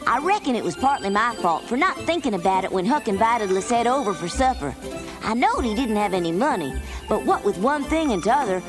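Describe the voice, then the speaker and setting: A woman's voice: on the high side, sing-song, fairly quick. A woman voicing a mischievous, folksy young boy with a Southern US accent in a cartoon. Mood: wry storytelling. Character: mischievous, folksy young boy, Tom, narrating his adventures. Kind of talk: animated cartoon dialogue and narration. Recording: music behind the voice.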